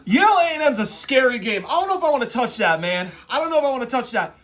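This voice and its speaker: A man with an unusually high voice talks in an excitable frat-bro manner. His pitch jumps around a lot as he gives casual, slangy sports takes off the cuff. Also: fast talker. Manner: excitable frat-bro talk, heavy on "bro" and "dude". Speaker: host reacting to a tournament bracket.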